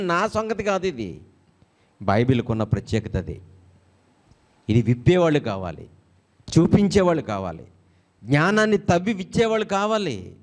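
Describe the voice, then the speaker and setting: A man preaching a sermon as a pastor, with a Telugu accent, animated and joking, acting out quotes. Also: medium pitch.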